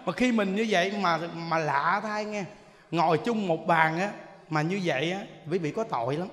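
A male Buddhist monk with a Southern Vietnamese accent gives a humorous Dharma talk, telling stories with lots of laughter and exclamations. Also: high-pitched. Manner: animated storytelling, frequent laughter and exclamations. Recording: reverberant hall, faint background noise.

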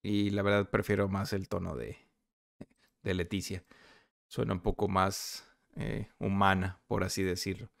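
A man giving a casual, somewhat halting software review as a screen-recorded tutorial. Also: on the low side, gravelly, dry recording, studio quality.

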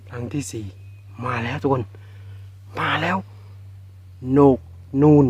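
A man with a Northeastern Thai accent narrating a casual outdoor vlog while he harvests wild bee nests, exclaiming excitedly and calling his viewers brothers and sisters. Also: medium pitch, slow pace, background noise. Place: outdoors in rural scrubland.

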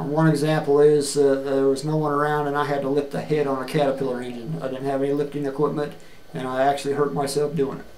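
Man, middle-aged, video resume, halting with fillers, flat delivery, webcam, faint background hum. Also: fairly high pitch. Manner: halting, many fillers and restarts; plain-spoken, earnest. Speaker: job seeker. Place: small room, plain wall, indoors. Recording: echoey room with faint ambience.

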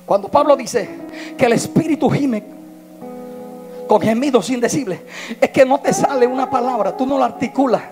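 A male pastor preaching an impassioned sermon, swinging from shouted lines to hushed, tearful tones. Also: very high voice, moderate pace, long pauses, music in the background.

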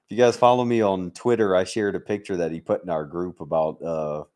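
With a deep, slightly mellow voice, an American man from Mississippi chats with viewers on his livestream. He's a military veteran whose talk is blunt, sweary and full of joking banter.

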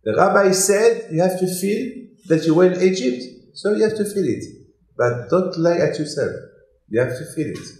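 An older man from Morocco, giving an animated Torah lecture in English, repeating his phrases. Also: sits high, normal speed. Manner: animated, gesturing broadly, repeats phrases, non-native English. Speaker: rabbi. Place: synagogue hall, indoors. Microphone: desk mic on stand. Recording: echoey hall.

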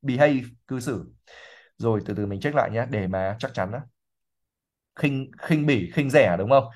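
A man explaining English words during a livestream reading lesson. He repeats words slowly and thinks aloud with fillers. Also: mid-range voice, darkish tone. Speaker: English teacher.

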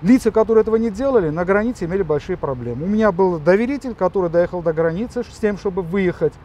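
Fast, high-voiced male lawyer explaining. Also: animated, dark tone, slight background noise. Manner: explanatory, with frequent restarts and filler sounds. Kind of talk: interview answers.

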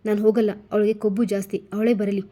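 A woman voicing an eight-year-old boy who is possessive and quick to anger, speaking curtly. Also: mid-range voice, little pitch movement, warm tone, lightly acted. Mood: angry. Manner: curt, scolding.

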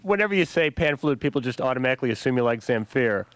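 A man's voice: mid-range voice, animated, fast, a bit bright, clean tone, dry recording. A man co-hosting talk radio with casual, playful banter, close on a studio microphone. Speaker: radio co-host. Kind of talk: casual banter, short reactions. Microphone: close broadcast microphone on boom.

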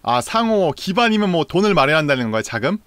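A man's voice: on the high side, sing-song, quick pace, fairly bright tone, no room sound. A young man in his twenties hosting a casual streamed talk show, playful and teasing, often laughing. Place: small bedroom, indoors.

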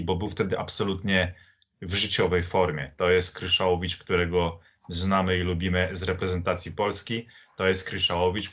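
Low-pitched emphatic man, dull recording. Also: fairly bright tone. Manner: emphatic, halting, repeats phrases. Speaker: podcast guest, football pundit. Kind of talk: opinionated football discussion.

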